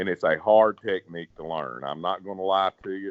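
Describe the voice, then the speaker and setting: A man uses an ordinary speaking voice, talking fairly slowly with ordinary pitch variation. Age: 40s. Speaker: southern gospel bass singer. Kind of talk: interview.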